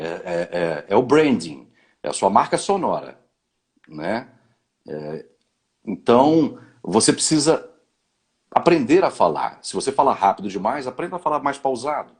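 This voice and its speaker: During a live online conversation, a male guest hands out public-speaking advice in a didactic way, using short imperatives studded with "né?" tags. His medium-pitched voice is a little mellow with a breathy edge.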